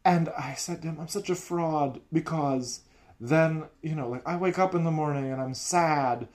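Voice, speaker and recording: A man's voice: a little high, moderate pace. A man who teaches music, talking in an earnest, reflective way in a casual podcast chat.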